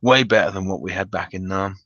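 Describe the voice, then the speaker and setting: A man's voice: low voice, brisk, a bit bright, pitched below the performer's own voice. A man voicing a rambling, profane, eccentric older stoner war veteran in a story reading. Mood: fond, reminiscing. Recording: dull, roomy home recording.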